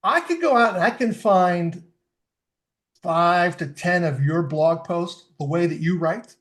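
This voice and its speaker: A man's voice: high-pitched, expressive, unhurried, a bit bright. A middle-aged man, a guest in a casual podcast interview, explaining tools step by step with enthusiasm. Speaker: fitness technology expert guest.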